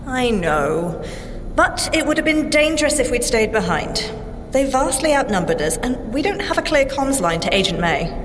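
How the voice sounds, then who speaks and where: An actress playing a brisk, cheerful, sensible young female secret agent scientist with a British accent and a dry, precise, teasing manner in an audio drama. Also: a little high, very animated. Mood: encouraging, teasing. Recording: music under the voice.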